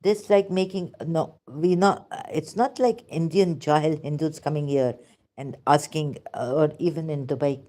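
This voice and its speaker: A woman's voice: sits low, moderate pace, dark tone. A woman with a Pakistani accent giving rambling, sarcastic religious commentary in broken English. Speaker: vlogger.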